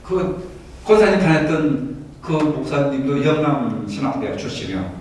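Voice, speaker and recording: Pastor from Daejeon in an echoey room. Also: male voice, medium pitch, lively intonation, normal speed, darkish tone. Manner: asks listeners for agreement often. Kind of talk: Bible study teaching. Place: church room. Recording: echoey room from far off, faint noise.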